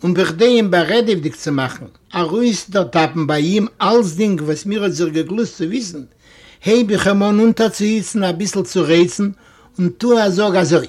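A man reads a classic story aloud in a fairly high voice. His telling is expressive, and it rises into animated exclamations when the characters grow heated. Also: moderate pace. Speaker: reader.

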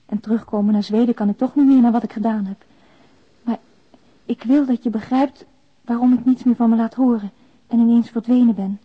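A naive young mother in a radio play, reading out her confession. Her voice is high and breathy, intimate and hesitant, close to whispering at times. The dull recording has some room around it. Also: no room sound. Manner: intimate, confiding, hesitant, lapsing into near-whispers. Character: anxious, naive young mother confessing a bank robbery by letter. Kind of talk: radio drama monologue, letter read in voice-over.

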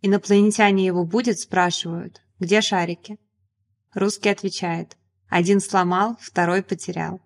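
Woman voicing a lively joke teller in an audiobook, mid-pitched. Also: moderate pace, close to an everyday voice. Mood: amused. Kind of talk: audiobook reading.

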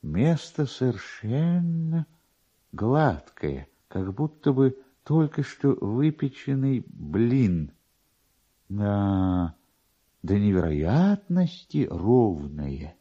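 A man voicing an officious, pedantic, slow-witted male newspaper clerk in a dramatised literary reading, drawing his words out. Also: fairly low pitch, big pitch swings, warm tone, heavily acted. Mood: curious, unhurried. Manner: deliberate, drawn-out, pedantic. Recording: dull, lo-fi archive radio recording.

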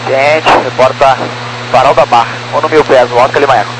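A man's voice: medium pitch, fairly even intonation, moderate pace, a bit bright. A man with a Brazilian accent speaking as a pilot in clipped readbacks over aviation radio. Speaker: aircraft pilot. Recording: noisy, humming aircraft radio transmission.

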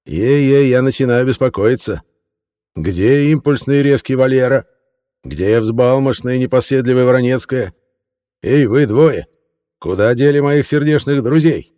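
A man voicing a sly, fussy old male antiquarian who speaks in a drawn-out, mock-kindly grandfatherly tone. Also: mid-range voice, warm tone, big-room sound, voice pushed up, natural voice. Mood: teasing. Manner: slow, drawn-out, grandfatherly scolding tone.

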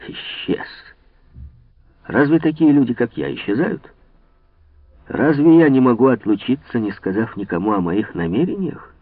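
A man voicing a calm, commanding middle-aged male general with an imperious, sonorous delivery, on a tinny, dry recording. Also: lowish voice, no echo.

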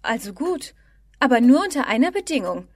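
A protective mother in a radio drama. Her voice is somewhat husky and a bit high, and she speaks sternly. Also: very animated, a little fast, darkish tone, no room sound, clean studio sound. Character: worried mother of the boy. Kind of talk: German radio drama acting.

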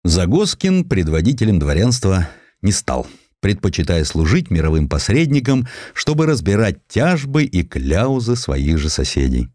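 A man narrating historical essays from a script in an expressive storytelling way, with ironic, conversational asides. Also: low-pitched, dry recording, studio quality. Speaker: audiobook narrator. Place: studio.

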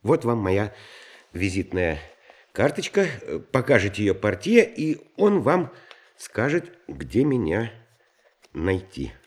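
A courteous, secretive count in a radio play. His low voice moves up and down freely, pausing deliberately as if weighing each phrase. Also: sing-song, exaggerated voice. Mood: satisfied, businesslike. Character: suave, secretive foreign count recruiting a young woman. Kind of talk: theatrical audio drama acting.

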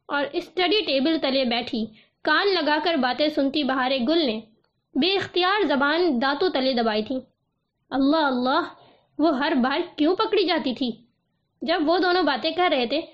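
A woman reading a novel aloud as scripted narration, in a steady, measured storytelling manner. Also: sits high, lo-fi sound. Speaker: audiobook reader.

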